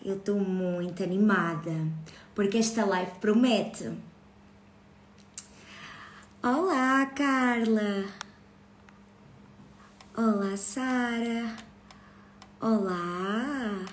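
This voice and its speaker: A woman's voice: medium pitch, extremely slow, pauses often, roomy sound, a little hiss or hum. A woman in her thirties with a European Portuguese accent, hosting a casual live stream about her book club, chatty and greeting viewers. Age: 30s.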